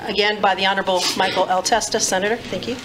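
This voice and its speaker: A woman's voice: mid-range voice, fairly even intonation, very fast. A woman formally introducing speakers at a county meeting. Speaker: meeting announcer. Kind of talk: formal announcement. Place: county courthouse meeting room. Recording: noisy room recording.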